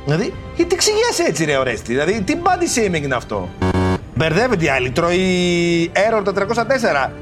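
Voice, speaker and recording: A man's voice: high-pitched, wildly swooping pitch, music in the background. A man hosting a podcast about ancient tragedy, telling the stories in a casual way with slangy, mock-indignant asides. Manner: reads verse quotes in theatrical voices. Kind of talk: casual storytelling lesson.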